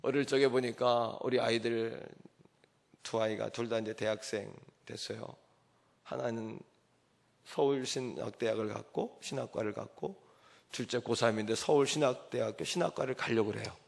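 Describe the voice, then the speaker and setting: A middle-aged man preaching a sermon as pastor in a church, swinging between loud declarations and hushed asides. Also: mid-range voice, steady tone, moderate pace, vocal fry.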